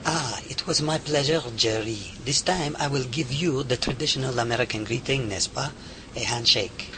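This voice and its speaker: Radio drama: effusive, overfamiliar French lab researcher played by a man, mid-pitched, French accent, noisy recording. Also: moderate pace, natural voice. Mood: warm, courteous. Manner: gushing, enthusiastic, overfamiliar. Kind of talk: amateur radio drama acting.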